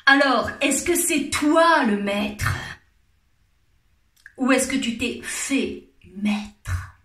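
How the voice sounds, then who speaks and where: A woman's voice: high voice, animated, very slow, fairly bright tone. A woman with a French accent doing a playful, theatrical comic monologue, teasing and laughing often. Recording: roomy echo.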